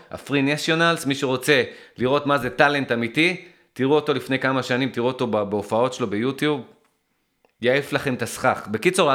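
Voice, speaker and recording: A man from Israel talking to his viewers in a casual, rambling monologue, often stopping and restarting as he thinks aloud, and getting emphatic. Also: medium pitch. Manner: animated and emphatic.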